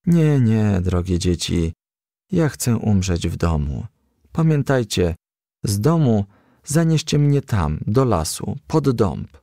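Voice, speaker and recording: A man voicing an elderly female firefly neighbour, firm and gentle, in a storybook. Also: lowish voice, sing-song, takes it slowly, no echo, studio quality, heavily acted. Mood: solemn, firm. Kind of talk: storybook character reading.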